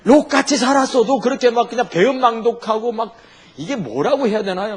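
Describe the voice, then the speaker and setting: Husky Korean pastor with lively pitch. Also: male voice. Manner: asks the congregation questions and answers them himself, with lively emphasis. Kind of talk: sermon.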